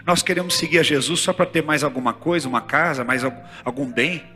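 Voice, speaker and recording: A man with a Brazilian Portuguese accent preaching a sermon in a church, moving from hushed storytelling to loud, fervent exhortation. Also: fairly high pitch, a little fast. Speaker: pastor. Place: church sanctuary. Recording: church hall with long reverb and faint music.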